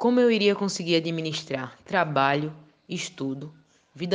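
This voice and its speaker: A woman with a fairly low pitch speaks in a plain, everyday voice. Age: 20s. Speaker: pedagogy student and candomblé initiate. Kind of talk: personal testimony.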